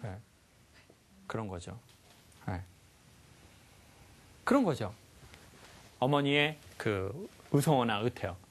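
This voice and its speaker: A man giving a lively life lecture to a live audience, often asking them questions and acting out sounds. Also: mid-range voice, slow pace, long pauses. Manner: animated, asks the audience questions, acts out sounds.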